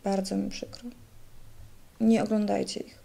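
A woman's voice: medium pitch, level tone, unhurried, creaky, dark tone. A woman answering viewer questions to camera, talking sweetly and calling her viewers her dear ones. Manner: sweet, addresses viewers as "moi kochani". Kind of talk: casual talk to camera.

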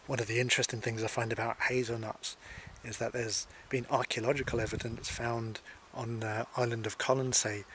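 A man in his forties from Scotland, calmly explaining wild plants as a foraging instructor, speaking to camera outdoors by hedges. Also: medium pitch. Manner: calm, explanatory, unhurried. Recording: faint outdoor noise.

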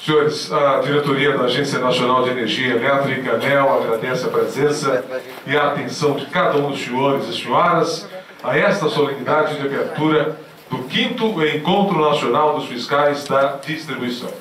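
A man's voice: medium pitch, moderate pace, crowd noise. A man hosting a formal event, making courteous closing announcements in a large auditorium. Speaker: event host. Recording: echoey hall from far off.

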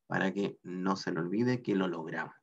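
A man's voice: sits low, moderate pace, gravelly, highs cut off. A man teaching a mechanics class online, working through equations step by step and often checking in with a questioning "ah?".

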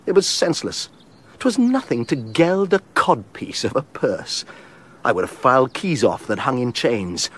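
Boastful thieving peddler for a radio play; mid pitch, very animated. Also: male voice, unhurried, breathy edge. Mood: gleeful. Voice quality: gleeful, boastful, laughing. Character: roguish male peddler and pickpocket, gleeful. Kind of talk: classic radio drama acting.

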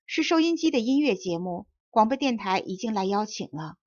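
A woman's voice: medium pitch, big pitch swings, brisk, darkish tone, dry recording. Woman doing a bold little black mouse. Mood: earnest. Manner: confident, fluent. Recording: dull dry audiobook recording.

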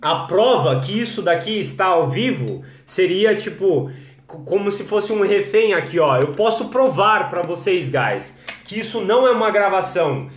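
A Brazilian man teaching English on a live stream, relaxed and chatty, greeting viewers by name and modeling pronunciations slowly. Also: high-pitched. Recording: echoey room.

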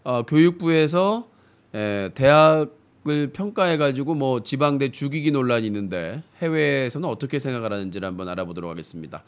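Blunt streaming host with a sore throat. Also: male voice, mid-range voice, expressive, a little fast, clean tone. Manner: filler-heavy, blunt ranting. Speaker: streaming news-comedy host. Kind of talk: satirical live-stream commentary. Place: small room with fish tank, indoors. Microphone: desk mic on stand, webcam framing.

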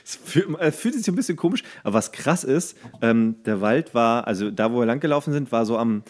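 A man co-hosting a podcast, telling anecdotes in casual, colloquial, halting speech. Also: mid-range voice, animated. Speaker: podcast co-host.

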